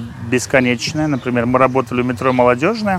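Noticeable background noise runs under a man's voice at medium pitch. He talks at a moderate pace with ordinary pitch variation. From Azerbaijan. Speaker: businessman and founder of a cultural center. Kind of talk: casual interview. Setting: outdoors at a park, on a tour.

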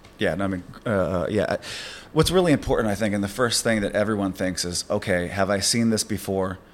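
Someone with a Californian accent talks at a fairly quick pace. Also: man, fairly low pitch for a man, ordinary pitch variation. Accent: Californian American English. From Los Angeles (Whittier, East LA County). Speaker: startup business development consultant. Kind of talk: podcast interview. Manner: halting with frequent repeated words.

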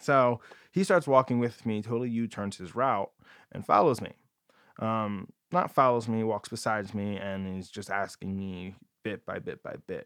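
At a moderate pace, a speaker with an American accent uses ordinary pitch variation in a dry, close sound with no echo. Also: man, medium pitch for a man. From New Jersey. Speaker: event planner. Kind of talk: personal storytelling. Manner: hesitant, many fillers.

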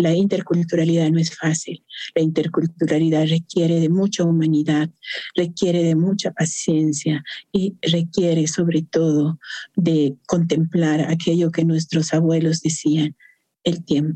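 With an Andean accent, a woman speaks fairly slowly in a fairly low, dark, mellow voice, her intonation monotone and flat and her loudness very even. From Bolivia, Lake Titicaca region. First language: Aymara (speaking Spanish). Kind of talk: interview.

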